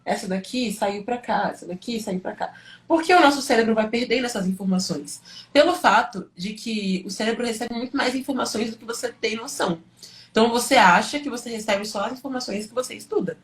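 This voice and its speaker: A woman's voice: on the high side, fairly quick. A woman with a Brazilian accent giving an informal live lesson to students, explaining conversationally with rhetorical questions and frequent check-in tags. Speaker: teacher and study coach hosting a livestream.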